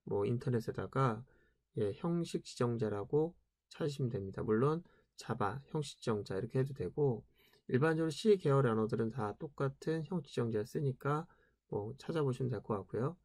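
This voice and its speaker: A man's voice: mid-range voice, lively intonation, brisk, a little mellow, no echo. Chatty man lecturing, dry close sound. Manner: chatty, asks rhetorical questions and answers them himself. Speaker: programming lecturer. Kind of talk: casual spoken lecture.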